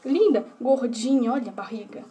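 A woman's voice: a little high, animated, normal speed, mellow, far from the mic. A woman, chatting casually in a home vlog and doting on her pet in baby talk while she bathes it. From Brazil. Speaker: pet owner vlogger. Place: indoors at home, bathing a pet.

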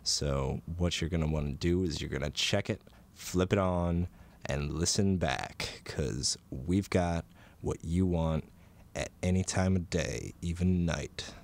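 A young man playing a smooth, laid-back jazz radio DJ with suave, hesitant patter, in a radio parody. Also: low voice, slow, darkish tone, heavily acted. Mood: suave, relaxed. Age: young adult. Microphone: close studio microphone on boom. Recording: noticeable background noise and room ambience.

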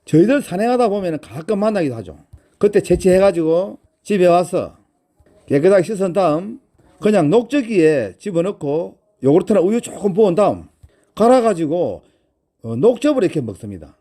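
Man lecturing lively on medicinal herbs. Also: high voice, moderate pace. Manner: rhetorical questions, addresses viewers directly. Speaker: herbal medicine channel host. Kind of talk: explanatory lecture to viewers.

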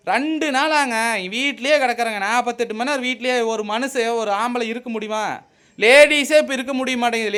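A man, a husband, arguing heatedly with his wife, defensive and swearing, at times shouting. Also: very high voice, clear, resonant tone. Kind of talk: heated domestic argument.

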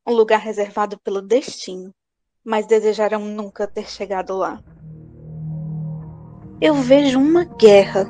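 A woman's voice: a little high, a little mellow, natural voice. Woman acting a solemn Brazilian prophetess, music behind. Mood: ominous. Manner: solemn, declamatory.

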